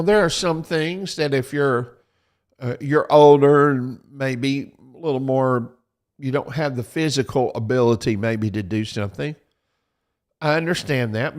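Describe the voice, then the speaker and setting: A man hosting a Christian show, giving practical advice in a folksy, repetitive, preaching style and urging listeners to write things down. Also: medium pitch.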